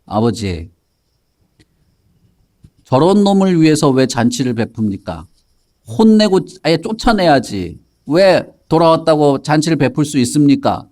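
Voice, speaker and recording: A man's voice: medium pitch, expressive, moderate pace, darkish tone, close to an everyday voice. A man doing a resentful older brother. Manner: indignant, scolding. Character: resentful elder brother, young man, quick to anger. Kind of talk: Bible story retelling for children.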